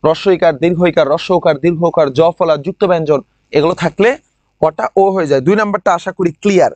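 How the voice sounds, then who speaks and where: A young man from Bangladesh teaching a live online grammar class, repeating each question and answer and drawing out example words slowly, calling on students by name. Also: on the high side, darkish tone, no echo. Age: young adult.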